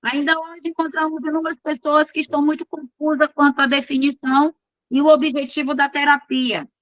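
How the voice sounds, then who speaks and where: A woman's voice: high-pitched, level tone, a little fast, fairly bright tone, no room sound, muffled recording. A woman teaching an online class. She reads from course notes and keeps checking in with her students in a chatty, informal way.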